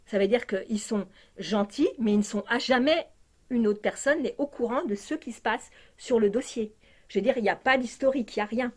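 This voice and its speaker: A woman's voice: fairly high pitch, a little fast, a little mellow. A woman vlogger ranting in a casual monologue, indignant and exasperated, with many fillers and restarts.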